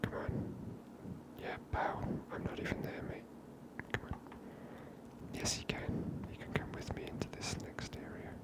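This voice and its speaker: A game streamer giving hushed, whispered ASMR commentary, thinking aloud in an unhurried way close to the microphone. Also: rough recording. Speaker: gaming ASMR host.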